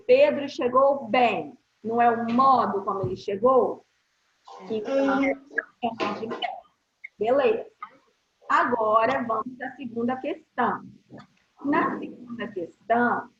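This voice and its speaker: A Brazilian woman teaching grammar to schoolchildren in an online class. Her fairly high voice moves at a very slow, deliberate pace, and she keeps checking whether the class follows. The sound is roomy and a little dull, as over a video call. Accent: Brazilian Portuguese. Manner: slow, deliberate explaining with frequent check-in questions.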